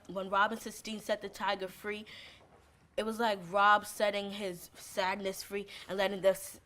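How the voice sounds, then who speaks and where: Earnest student sharing ideas in class. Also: female voice, mid-range voice, fairly bright tone. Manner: earnest, hesitant, restarts thoughts. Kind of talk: classroom discussion.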